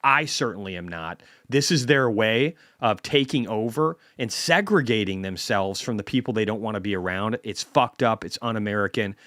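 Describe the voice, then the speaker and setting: A man's voice: on the low side, normal speed, few pauses, fairly bright tone, no room sound, clean studio sound. Blunt, profane male stream host. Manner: blunt, heavily profane, ranting. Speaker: host of a market commentary stream. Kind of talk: unscripted ranting commentary.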